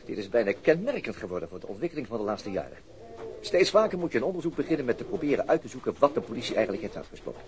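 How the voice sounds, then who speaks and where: Male actor as police detective, radio crime drama, terse, probing, brisk, lively swings in pitch. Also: natural voice. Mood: weary, exasperated. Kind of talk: Dutch radio drama acting.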